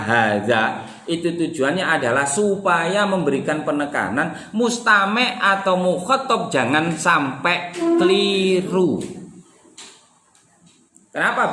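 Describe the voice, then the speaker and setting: A man's voice: fairly high pitch, bright, forceful tone, a little hiss or hum. A man with a Javanese accent teaching Arabic rhetoric, who acts out everyday exchanges to explain his points. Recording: echoey room with faint ambience.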